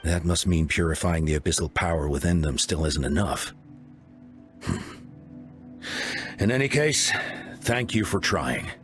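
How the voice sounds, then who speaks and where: A deep voiced game tribal leader, serious and formal, lots of rise and fall, music underneath. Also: male voice, lively intonation, measured pace, long pauses. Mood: somber. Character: grave, composed male tribal leader reporting to allies. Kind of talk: scripted game voice acting.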